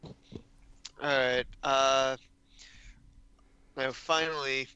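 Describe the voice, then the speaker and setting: A man's voice: medium pitch, fairly even intonation, drawn-out words, sharp tone, dull audio, a little hiss or hum. A man playing a tabletop game casually, talking through plans in a practical way. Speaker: player.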